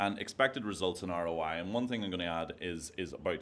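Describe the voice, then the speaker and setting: A man speaks with a Belfast accent at a fairly quick pace. His pitch is very deep and low, with ordinary variation. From Northern Ireland, Belfast. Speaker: marketing software account manager. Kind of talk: conference talk.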